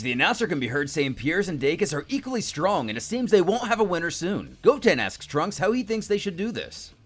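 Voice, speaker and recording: A man giving an animated scripted narration of a story recap, with sardonic asides. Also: fairly high pitch.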